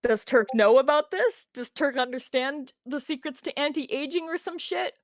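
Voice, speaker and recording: A woman's voice: high voice, normal speed, no echo, clean studio sound. A woman co-hosting a casual podcast chat, using a playful, mock-serious tone.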